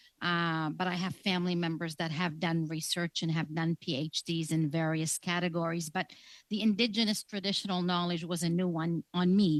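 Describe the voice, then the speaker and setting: A woman with a non-native accent speaks at a moderate pace and a fairly low pitch. The recording is very clean with a silent background, and the sound is dry and close with no echo. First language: not English. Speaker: member of parliament on committee. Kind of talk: committee hearing questioning.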